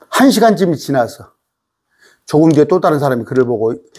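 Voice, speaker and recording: Speaking in a Jeolla accent, a man uses an animated tone with lively intonation at a fairly high pitch. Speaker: pastor. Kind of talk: bible lecture. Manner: animated, conversational.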